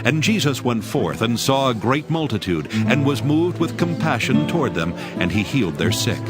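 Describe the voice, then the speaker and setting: A man's voice: medium pitch, sing-song, moderate pace, loud music behind the voice. A man narrating scripture in a dramatic, scripted audiobook style.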